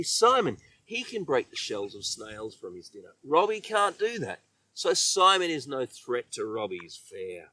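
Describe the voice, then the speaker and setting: A man reading a children's story with expressive, emphatic delivery, letting his phrase endings trail off. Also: mid-range voice, dry recording, distant mic. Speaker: children's author reading own book.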